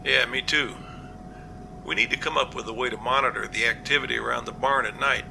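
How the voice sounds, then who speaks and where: A man playing an earnest, cautious captain in an amateur audio drama, reporting in a measured, matter-of-fact way. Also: medium pitch, fairly even intonation, gravelly, pushed and bright, a little hiss or hum, poor audio. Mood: concerned. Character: male captain, earnest, practical, cautious, plain-spoken.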